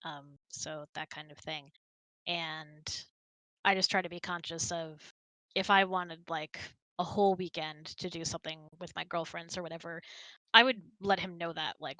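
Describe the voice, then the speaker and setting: A woman's voice: low voice, pushed and bright, no room sound, poor audio. A woman host chatting casually and candidly in an informal, emphatic way. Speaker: host of a relationship Q&A hangout. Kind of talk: casual chat.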